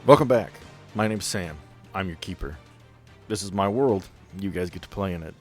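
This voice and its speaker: A man's voice: deep voice, animated, normal speed, soft background music. A man acting as game master, narrating scenes in a descriptive storytelling way for a tabletop podcast.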